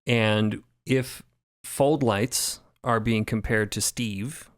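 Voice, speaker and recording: A man speaking in a measured, reflective way during a roundtable podcast discussion. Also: fairly low pitch, steady tone, clean tone, no echo, studio quality. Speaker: podcast creator and sound designer.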